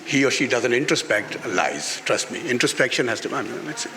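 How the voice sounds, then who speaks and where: Amid crowd noise at a live literary festival in a garden venue, a middle-aged Pakistani-accented author answers candidly from a panel. His mid-range voice is animated and fairly quick, emphatic, with phrases repeated for stress. The recording carries the event's background noise.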